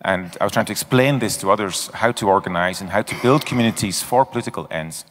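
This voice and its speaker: Man, middle-aged, blunt and candid, lowish voice, handheld mic, long hall reverb. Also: fast, slight background noise. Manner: blunt, candid, self-mocking. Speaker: conference speaker. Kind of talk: conference talk and Q&A. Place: large conference stage. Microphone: handheld microphone.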